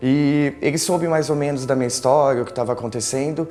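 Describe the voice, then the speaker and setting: Talking very fast in a medium pitch, a man is heard over noticeable background noise. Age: 20s. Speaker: architect giving a coaching client testimonial. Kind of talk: testimony.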